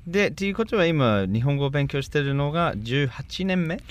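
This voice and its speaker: A man's voice: fairly high pitch, animated, normal speed. Encouraging male interviewer. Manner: encouraging, with frequent short acknowledgments. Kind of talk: casual interview.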